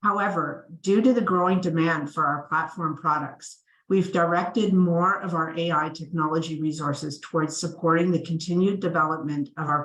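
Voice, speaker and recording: Echoey woman presenting company financial results. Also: sits low. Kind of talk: prepared financial presentation on an earnings call. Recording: roomy, echoing sound.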